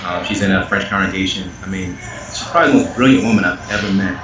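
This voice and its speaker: Interview guest: earnest man with a low voice, recorded far off the mic in an echoey space. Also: fast. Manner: earnest, animated, rising in pitch when making a point. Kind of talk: candid conversational interview. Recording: echoey, muffled, noisy remote audio.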